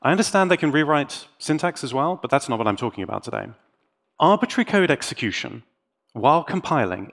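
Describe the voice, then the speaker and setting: A man delivers a technical talk to a live conference. His pitch moves around in a lively way, and he comes across as playful and enthusiastic, dropping in wry asides as he explains. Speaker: conference speaker and tech YouTuber.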